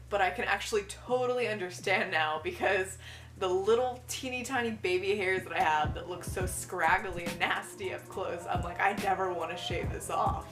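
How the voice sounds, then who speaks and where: A man's voice: high voice, sharp tone. A young trans man vlogging casually to camera, chatty and candid, with many ums and little laughs. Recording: echoey room with faint music.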